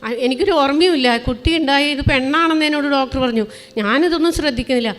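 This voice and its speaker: A middle-aged woman from Kerala giving a spoken personal testimony, telling it plainly and earnestly, with many pauses and restarts. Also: sits high, a bit bright. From Kerala, India. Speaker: testimony speaker.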